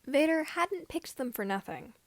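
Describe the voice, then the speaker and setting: A woman reading a story aloud as scripted narration, with somewhat halting phrasing. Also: high-pitched, expressive, no room sound. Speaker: amateur audiobook reader of fan fiction.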